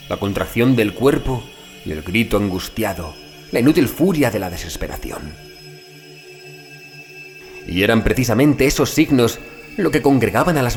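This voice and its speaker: A man narrating a horror audiobook as a shaken witness recounting grim events, in grave, literary, deliberate phrasing. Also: lowish voice. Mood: grave, ominous. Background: music behind the voice.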